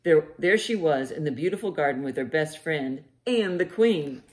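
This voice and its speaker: Expressive woman reading storytime, lowish voice. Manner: expressive, deliberate, child-directed. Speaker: library storytime host. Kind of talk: animated children's storybook reading. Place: living room, indoors by a fireplace. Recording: roomy living-room echo.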